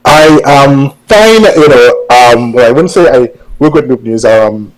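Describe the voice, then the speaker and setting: A man's voice: mid-range voice, animated, measured pace, crowd noise, rough recording. A man with a Trinidadian accent answering interview questions casually, choosing his words with some hesitation. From Trinidad and Tobago. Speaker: interview guest, journalist.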